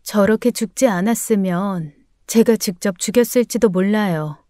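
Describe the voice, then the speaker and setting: A chillingly cold sister-in-law, put on by a woman in a story radio drama, speaking low and flat. Her tone is mellow and smooth, recorded close with no room sound. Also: normal speed, dry recording, close to an everyday voice.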